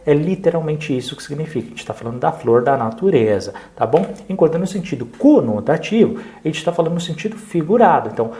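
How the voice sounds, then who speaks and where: A man's voice: a little high, animated, quick pace, hardly any pauses, dark tone. A Brazilian Portuguese-speaking man teaching an exam review lesson, explaining step by step and checking in with short tag questions.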